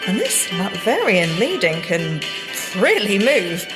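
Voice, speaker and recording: An actress playing a wry, good-humoured young scientist and secret agent, chatting in an audio drama. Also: female voice, mid-range voice, big pitch swings, slow, long reverb tail, over music. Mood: amused. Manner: dry teasing, polite, chatty. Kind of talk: audio drama field banter.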